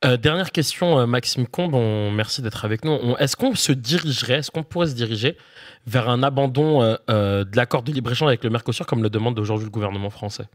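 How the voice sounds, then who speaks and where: Quick man hosting a discussion. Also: medium pitch, no room sound, clean studio sound. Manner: quick questions, hesitant restarts. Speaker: host.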